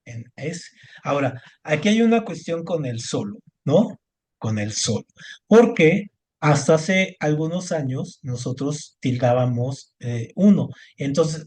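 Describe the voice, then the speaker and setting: A man's voice: mid-range voice, a little mellow. Guy tutoring spelling over a video call, patient and encouraging, lots of ujú and este. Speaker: Spanish teacher. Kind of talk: online tutoring lesson over screen share.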